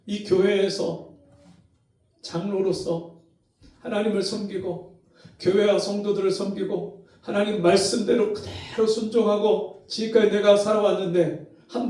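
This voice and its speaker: A man's voice: high voice, warm tone, pitched above the performer's own voice, natural voice. A man acting out a grief-stricken middle-aged church elder, wailing and pleading in a sermon. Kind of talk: acted quote in a sermon. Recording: very echoey hall, mic far off.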